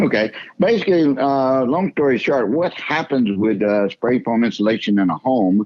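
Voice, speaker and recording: With a South Louisiana accent, a man talks at a moderate pace and medium pitch, his intonation lively and his loudness very even. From South Louisiana, US. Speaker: pest control business owner. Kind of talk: interview. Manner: halting, many fillers and repeats.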